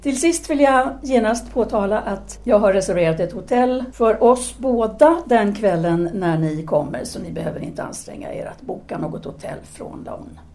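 An actress playing a self-possessed intellectual woman in an audio drama, formal and measured yet intimate and seductive. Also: medium pitch, expressive, mellow, lightly acted. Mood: ardent longing. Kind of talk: audio drama letter monologue and dialogue.

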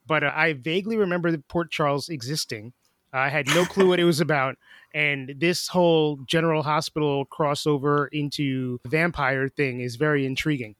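A man's voice: a little high, steady tone, fairly bright tone, no echo. Man hosting a podcast, dry close sound. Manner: chatty, quick reactions. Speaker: podcast host. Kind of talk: casual conversational interviewing.

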